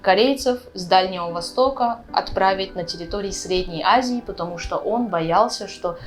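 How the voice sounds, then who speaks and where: A woman in her twenties from Uzbekistan, a vlogger whose first language is Russian, speaks as a guest. She explains things casually and conversationally, often checking in with her listener. Her voice is medium-pitched at a moderate pace.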